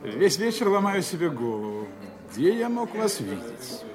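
An actor playing a suave, menacing secret agent in an audio drama, sly and mockingly courteous in a theatrical way. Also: male voice, high voice, big pitch swings, measured pace. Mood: falsely courteous. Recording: music behind the voice.

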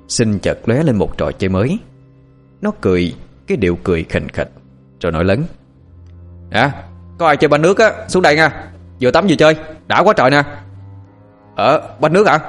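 A man narrating a dramatic story in an expressive storytelling style. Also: on the low side. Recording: faint background music.

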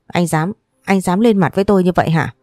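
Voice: fast talker, a little mellow, no room sound, clean studio sound, faint music behind, lightly acted. A storyteller voicing a jealous, quarrelsome young wife who accuses and whines. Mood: accusing. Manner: shrill accusing, whining.

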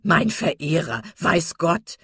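A woman's voice: deep voice, very animated, takes it slowly, a bit bright, breathy edge, dry recording, clean studio sound, full character voice. A woman doing a simpering, vain young chatterbox. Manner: simpering, affected.

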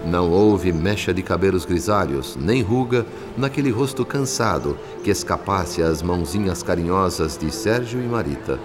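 An actor with a Brazilian accent playing a gentle, reflective spirit who narrates a radio drama in a measured, solemn way. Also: male voice, low voice, expressive. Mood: tender, solemn. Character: gentle, reflective male spirit narrator telling a family's story. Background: background music.

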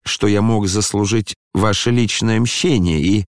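A man's voice: fairly low pitch, a little slow, dry recording, clean studio sound, close to an everyday voice. A man voicing a feverish young man in a dramatic audiobook, speaking in a shaky, accusing way that breaks on each word. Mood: trembling.

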